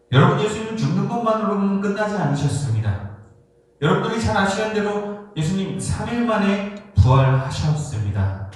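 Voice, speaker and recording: A man's voice: high-pitched, darkish tone. A man preaching a sermon as a youth pastor, earnest and often calling out to his listeners. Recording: echoey hall from far off.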